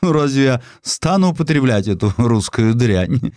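A man's voice: mid-range voice, expressive, moderate pace, a little mellow, dry recording, clean studio sound, voice pushed up, close to an everyday voice. A man voicing a foppish dandy who speaks haughtily and boastfully. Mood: haughty. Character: foppish male dandy showing off to a lady.

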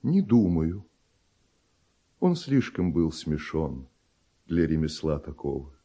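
An actor playing a brooding, envious, tormented composer, speaking verse gravely and deliberately in a classic Russian radio drama. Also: male voice, rumbling low, big pitch swings, warm tone, full character voice. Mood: dismissive. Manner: grave, weighty, deliberate theatrical delivery.

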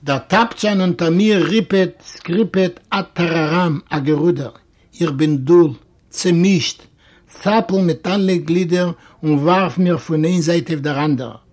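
A man narrating a classic story in a lively, expressive reading. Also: a little high, unhurried.

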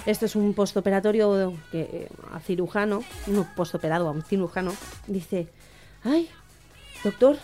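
A woman's voice: medium pitch, brisk, hardly any pauses. A woman hosts a local radio comedy hour, reeling off jokes. Her voice sits in the middle range, and she hops into the characters' lines. A faint music bed runs behind her. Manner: lively joke-telling, acts out the characters' lines.

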